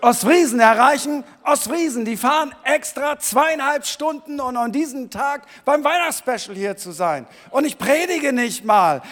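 A pastor preaching a sermon in a church hall, moving between quiet talk and loud, shouted emphasis. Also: male voice, very high-pitched. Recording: long reverb of a church hall.

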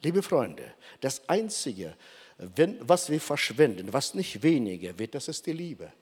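An older man preaching a sermon, emphatic and slowing down for dramatic pauses. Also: medium pitch, big pitch swings, a little mellow, breathy edge, long reverb tail.

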